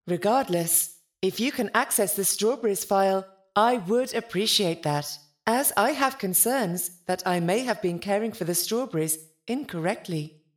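Woman acting ship's artificial intelligence, female, stilted formal diction, literal-minded, gentle concern, audio drama. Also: medium pitch, moderate pace, close to an everyday voice. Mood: formal, measured. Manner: formal, precise, stilted wording.

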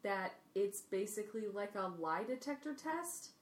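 A woman's voice: mid-range voice, lively intonation, moderate pace. A woman co-hosting a podcast, talking through a book in casual chat. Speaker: podcast co-host. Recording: roomy, echoey sound.

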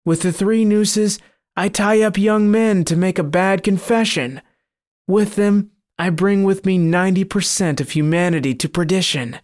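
A sly devil in the form of a huge cat, as a storyteller puts it on, answering in a higher, pinched tone. It whines and holds back, cowering under threat. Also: moderate pace, darkish tone, lightly acted.

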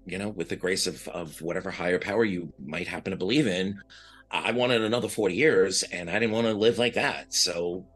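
A man's voice: sits low, fairly quick, fairly bright tone, breathy edge. A man from New York, a guest on an interview podcast, talking in an earnest, reflective way with restarts. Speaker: guest, blind advocate.

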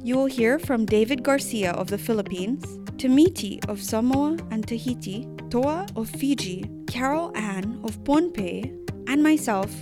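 A woman from the Mariana Islands hosting a podcast, reading a scripted introduction in an earnest, measured way. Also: a little high, expressive, music in the background. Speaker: podcast host.

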